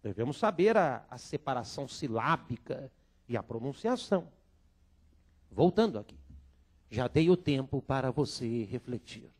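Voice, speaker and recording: A man's voice: medium pitch, big pitch swings, normal speed, darkish tone. A man teaching Portuguese grammar to law students, drilling them with call-and-response repetition in a filmed lecture room.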